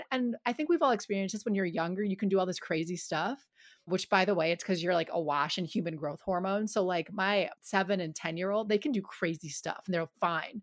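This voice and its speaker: A woman talks at a fairly quick pace in a plain, everyday voice with medium pitch and lively intonation. The recording is very clean, with a silent background. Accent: American. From US Midwest (suburban Milwaukee, Wisconsin). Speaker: diversity and inclusion director, former lawyer. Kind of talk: casual interview chat.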